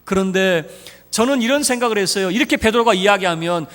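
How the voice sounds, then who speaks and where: A man preaching a sermon with a high, bright, sharp-edged voice. He plays out the lines of the people in his story with shifting voices. A long hall reverb hangs behind every word, as in a large church sanctuary. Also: expressive, fast talker. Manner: acts out dialogue of biblical figures in changing voices. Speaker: pastor.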